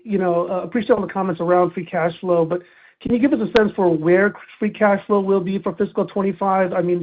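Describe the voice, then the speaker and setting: A man, a financial analyst, asking questions on an earnings call in a conversational, slightly halting way. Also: high voice, phone-quality sound.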